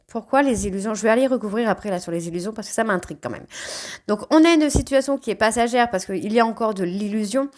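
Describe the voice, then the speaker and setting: Chatty French tarot reader with ch'ti accent. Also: female voice, medium pitch, a little mellow. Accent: northern French (ch'ti). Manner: chatty, frequent "hein" tags. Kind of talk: casual spoken tarot reading.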